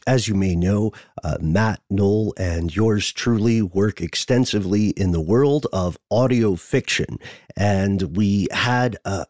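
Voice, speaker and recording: Low-voiced man hosting, dry close sound. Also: darkish tone, dry recording. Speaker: podcast host. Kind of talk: conversational podcast hosting.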